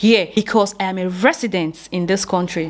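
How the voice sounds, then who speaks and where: A woman speaks with a Nigerian accent. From Nigeria, Imo State (southeast, Igbo). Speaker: YouTuber and trader. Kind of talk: interview. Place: home room. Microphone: studio mic.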